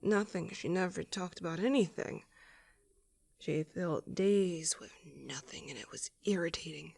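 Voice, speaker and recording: A woman playing a gruff, weakened female space courier in an audio drama, terse, grumbling and strained. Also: lowish voice, measured pace, darkish tone, pitched below the performer's own voice. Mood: irritated, wistful.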